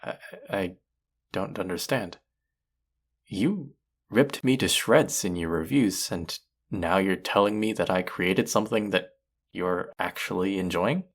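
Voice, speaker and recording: A young male chef played by a man in an intimate audio drama, combative and exasperated yet earnest underneath. His voice is deep and heavy with gravelly fry. He speaks slowly, with halting, emotive pauses. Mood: stunned. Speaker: voice actor in audio roleplay.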